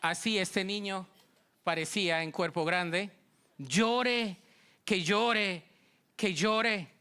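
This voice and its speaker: A man's voice: sits high, drawn-out words, pushed and bright, clean tone. A Colombian man preaching a sermon in church, telling a story and acting out its dialogue. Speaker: pastor.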